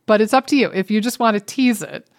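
This woman speaks fast in a mid-range voice while co-hosting a podcast over a webcam setup. The conversation is casual and playful, sprinkled with dramatic asides.

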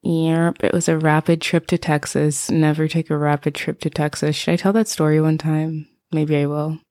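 Podcast host, woman, 20s, American accent, Shona native. Low voice, dry close sound, playful rambling chat. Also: flat delivery, normal speed, a little mellow, no room sound. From Zimbabwe. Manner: bubbly, playful, slangy and digressive. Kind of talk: casual rambling chat to listeners.

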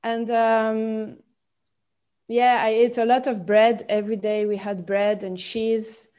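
A young woman from Switzerland speaks English with a Swiss French accent, pausing often and restarting her sentences. Her voice is mellow and her pitch stays level. She talks slowly as a podcast guest. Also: level tone, smooth. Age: 20s. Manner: halting, many fillers and restarts. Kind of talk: podcast interview.

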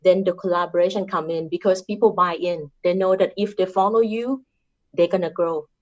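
A Thai woman with a Thai accent is an interview guest giving earnest career advice, often closing points with "right?" and repeating them. Her fairly low voice keeps fairly even intonation at a moderate pace. The sound is lo-fi.

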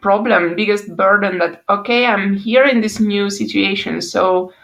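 A woman's voice: mid-range voice, measured pace, creaky, fairly bright tone, lo-fi sound. A woman from Hungary with a Hungarian accent, hosting a casual interview and thinking aloud as she talks. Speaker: podcast host.

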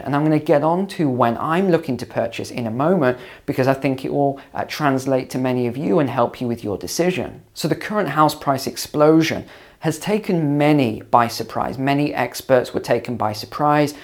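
A man hosting his own finance channel, slightly hoarse after long calls, explaining to camera in a conversational way with ums and repeats. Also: medium pitch, a little mellow. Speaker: finance video host and mentor.

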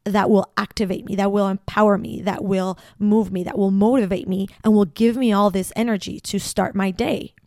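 A woman's voice: mid-range voice, a little mellow, dry recording, clean studio sound. A woman from Ecuador with a Latin American Spanish accent, hosting a solo spiritual podcast, effusive and repeating phrases for emphasis. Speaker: podcast host.

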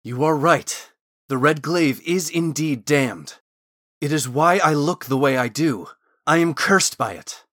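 A man's voice: medium pitch, moderate pace, a bit bright, natural voice. A man playing an earnest, desperate cursed man in a fantasy audiobook, pleading urgently in formal wording.

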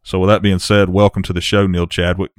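Deep-voiced easygoing male host. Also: level tone, fairly quick, no room sound, studio quality. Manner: easygoing, filler-heavy questions. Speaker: podcast host. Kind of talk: casual interview.

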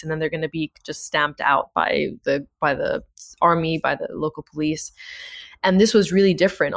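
A political science professor from Egypt answers interview questions earnestly and thoughtfully, using frequent fillers. Her voice sits on the low side with a fairly bright tone.

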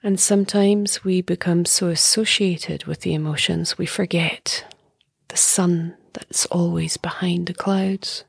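Slow, breathy woman guiding a meditation. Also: fairly low pitch, no room sound, studio quality. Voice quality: soft, breathy, often near whisper. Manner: calm, soothing, unhurried with long pauses. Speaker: meditation teacher. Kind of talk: guided meditation.

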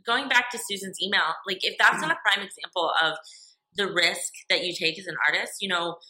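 A woman's voice: mid-range voice, brisk, bright, forceful tone, low-quality recording. A woman co-hosting a podcast in casual chat, upbeat and laughing often, with lots of fillers. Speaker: podcast co-host.

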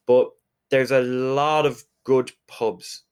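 A man's voice: mid-range voice, little pitch movement, slow pace, darkish tone, clean tone. A man from Galway with a west of Ireland accent, explaining things conversationally as an interview guest. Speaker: interview guest, whiskey distillery representative.

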